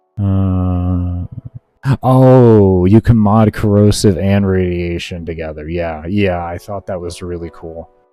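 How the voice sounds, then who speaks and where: Over music in the background, a man with an American accent speaks at a very slow pace in a very deep, low voice, his loudness swinging widely. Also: fairly even intonation. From South Florida. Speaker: gaming streamer. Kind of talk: casual live-stream chat. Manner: mumbling.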